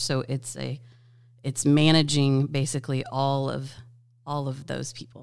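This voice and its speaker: A woman's very deep, low voice with vocal fry, in a very clean recording against a silent background. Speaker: PTA president. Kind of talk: casual interview.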